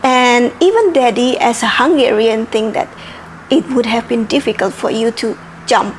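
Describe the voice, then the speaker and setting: A woman's voice: fairly high pitch, normal speed, a little hiss or hum. A woman in her forties from Indonesia, with an Indonesian accent, explaining things in a casual chat and listing examples. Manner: explanatory, lists examples, frequent yeahs. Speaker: vlogger and parent.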